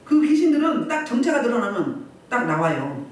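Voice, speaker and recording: A woman pastor preaching a sermon at a healing service, telling the story with lively voices for the crowds she describes. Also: on the high side, moderate pace. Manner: animated, acts out crowds and quotes. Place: church meeting room. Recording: echoey hall, distant mic.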